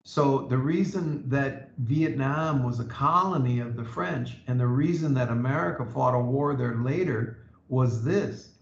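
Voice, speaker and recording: Gravelly-voiced man telling history, echoey. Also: medium pitch, unhurried, few pauses. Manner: emphatic storyteller, quotes historical figures in lively asides. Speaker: podcast co-host and author. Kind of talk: conversational history discussion. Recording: lo-fi, echoey room audio.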